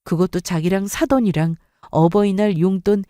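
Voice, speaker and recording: A woman's voice: mid-range voice, fairly even intonation, moderate pace, mellow, no room sound, clean studio sound. A woman in her thirties narrating her own story in first person, aggrieved and emotional.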